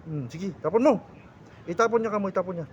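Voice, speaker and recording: A man's voice: sits high, quick pace, lo-fi sound, slight background noise. A man from the Philippines working as a folk healer, giving urgent, commanding orders and scolding during a healing ritual outdoors.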